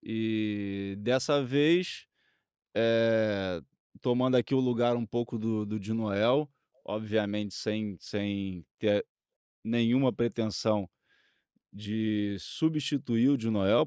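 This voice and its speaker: A Brazilian man chats as a co-host in a fairly low voice. He is modest and deferential, feeling his way through phrases with some hesitation. The sound is dry, with little room to it. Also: slow, a little mellow, smooth, no room sound. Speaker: stand-in co-host. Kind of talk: casual conversational chat.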